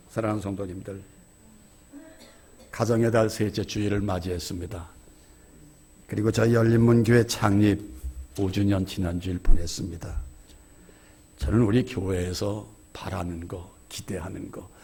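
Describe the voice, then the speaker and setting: A man preaching a sermon as pastor. He tells candid stories about himself and swings between hushed asides and shouted emphasis. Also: fairly low pitch, vocal fry, slightly rough. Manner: candid, self-deprecating storytelling. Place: church.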